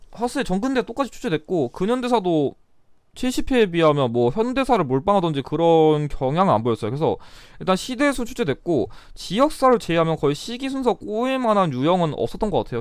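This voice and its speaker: A man's voice: high-pitched, clean tone, dry recording, clean studio sound. A young man giving a blunt, chatty exam review lecture, still getting over a cold. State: recovering from a cold. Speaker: history exam tutor.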